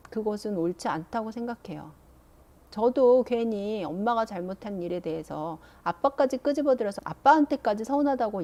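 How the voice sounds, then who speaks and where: A woman voicing a resentful teenage girl who is annoyed at being scolded alongside her sister, speaking in a slow, aggrieved complaining way. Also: medium pitch, dark tone, natural voice.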